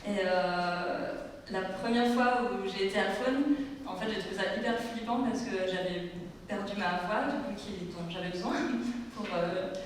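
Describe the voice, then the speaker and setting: A woman's voice: mid-range voice, measured pace, distant mic, slight background noise. Woman in her thirties, hesitant spoken-word performer, heard from afar in an echoey hall with music. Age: 30s. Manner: musing, hesitant talk with many fillers. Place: live venue hall.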